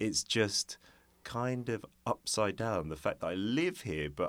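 This man speaks with a North London accent. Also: very clean recording, silent background. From London, England. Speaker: broadcaster and English teacher in Korea.

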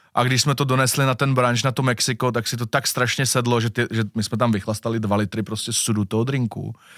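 On a very clean recording with a silent background, a man at medium pitch talks very fast in a flat monotone with hardly any pauses. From Slovakia, Košice. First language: Slovak (speaking Czech). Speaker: bartender and bar catering owner. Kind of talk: casual interview.

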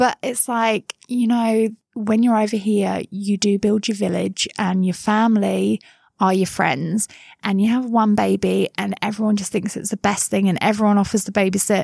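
This woman talks at a moderate pace in a medium, somewhat breathy voice with fairly even intonation. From Somerset, England. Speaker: expat guest. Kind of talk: casual interview.

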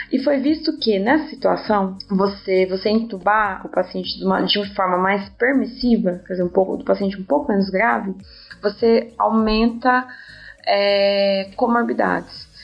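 Her pitch sits in the middle range, and the woman varies it in an ordinary way. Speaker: emergency physician, podcast co-host. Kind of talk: medical case discussion. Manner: calm, slow and soothing.

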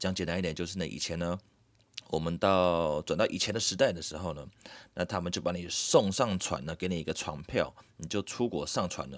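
Quite brisk delivery with a creaky, fried voice and normal pitch movement. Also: man, very deep, low pitch for a man. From Taiwan. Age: 30s. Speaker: podcast host, entrepreneur. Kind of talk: solo podcast monologue.

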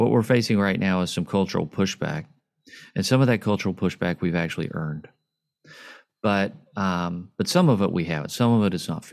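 On a very clean recording with a silent background, a man with a very deep, low voice talks at a fairly quick pace but leaves long, frequent pauses. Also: ordinary pitch variation. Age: 50s. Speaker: seminary professor and dean. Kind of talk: interview conversation.

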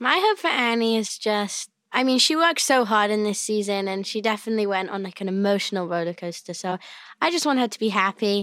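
Here a woman speaks with a British accent. Her pitch is fairly high, and her pace fairly quick. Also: ordinary pitch variation. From England. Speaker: voice actress. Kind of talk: casual chat.

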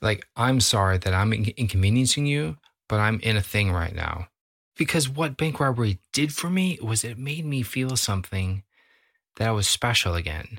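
A man with an American accent and an ordinary speaking voice, medium pitch, lively intonation and moderate pace, dry and close with no echo in a very clean recording with a silent background. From US Midwest, northern Illinois near Chicago. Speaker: former bank robber and competitive cyclist. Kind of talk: personal storytelling in an interview.

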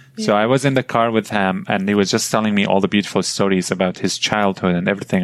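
A man speaks with an Arabic accent and a fairly low pitch. His recording is very clean, with a silent background. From Syria, Damascus. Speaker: refugee entrepreneur and public speaker. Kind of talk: interview.

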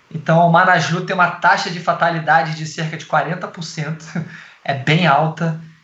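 Audible room echo surrounds a man as he speaks. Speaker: sports event company CEO and adventurer. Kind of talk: casual interview. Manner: eloquent.

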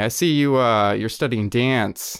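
The voice belongs to a man speaking at a medium pitch. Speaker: former phone psychic, writer. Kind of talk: casual interview.

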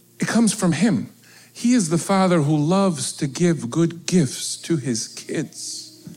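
A man speaks at a fairly slow pace with a high pitch. His voice swings very widely in pitch, and the room echo is audible. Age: 40s. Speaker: pastor. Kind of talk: sermon. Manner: animated.

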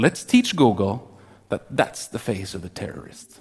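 A man talks with a Swedish accent. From Sweden. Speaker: reporter and speaker. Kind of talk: talk excerpts.

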